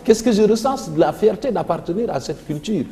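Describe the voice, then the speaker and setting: A literature teacher with a Senegalese French accent explains poetry and rhythm on a televised revision lesson, slowly reciting lines of verse. His voice sits high, expressive and warm, with a long reverb tail.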